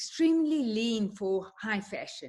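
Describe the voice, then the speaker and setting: A woman's fairly high, somewhat breathy voice, fairly slow, with lively intonation. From South Africa. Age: 70s. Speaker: dietitian and model. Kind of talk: interview answer.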